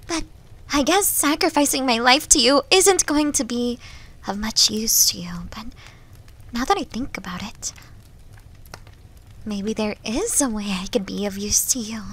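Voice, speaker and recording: A woman playing a needy, devoted young yandere wolf girl in an ASMR roleplay, with a hesitant, breathy, pleading manner. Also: high-pitched, a bit bright, heavily acted. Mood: coaxing, devoted.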